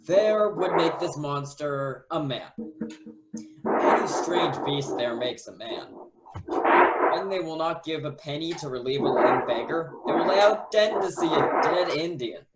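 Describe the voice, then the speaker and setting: A man plays a foolish, puzzled jester in a Shakespeare radio play. He speaks slowly in a fairly high voice, with loud noise in the recording. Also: animated. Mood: puzzled, wondering. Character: foolish jester sheltering from storm, puzzled by monster.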